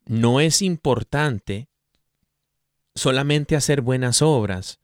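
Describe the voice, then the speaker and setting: Animated man preaching in a dry room. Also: medium pitch, slow, no room sound. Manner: animated, exhorting listeners directly, acts out voices playfully. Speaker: co-host of a Catholic radio program. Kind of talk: preaching in casual chat.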